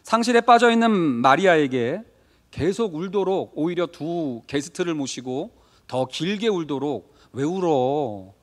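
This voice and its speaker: A man's voice: on the high side, expressive, measured pace. A male pastor preaching a Wednesday sermon in a conversational way, asking the congregation questions and acting out short quoted lines. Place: church sanctuary. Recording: long reverb of a church hall.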